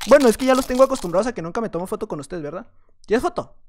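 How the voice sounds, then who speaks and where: A man with a Mexican accent speaks in a high, animated voice. His intonation is lively. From Mexico. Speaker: gaming youtuber. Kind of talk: live gameplay commentary.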